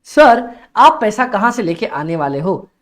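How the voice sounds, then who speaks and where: A young man teaching a live-streamed online exam class, energetic and coaxing, who keeps repeating phrases and reads chat comments aloud. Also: high voice, measured pace. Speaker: accountancy exam tutor.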